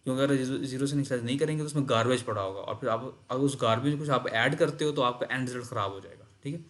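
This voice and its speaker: A man walks through a programming lesson at an ordinary, mid-range pitch. He reads English lines from the textbook aloud, then explains them again in his own words. He repeats key points as he goes. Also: rapid-fire, fairly bright tone. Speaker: teacher.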